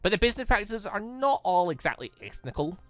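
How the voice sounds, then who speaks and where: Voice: mid-range voice, very animated, fast talker, a bit bright, no room sound, pitched above the performer's own voice. A game streamer voicing a breezy, knowledgeable female hunter who explains the world to a student in a casual, confident way. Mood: matter-of-fact. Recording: music playing under the voice.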